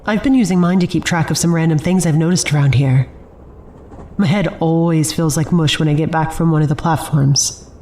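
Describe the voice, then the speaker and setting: A woman's voice: low voice, normal speed, mellow, slight background noise, lightly acted. An actress playing a wary, sarcastic woman survivor in an audio drama, with a dry, impatient manner.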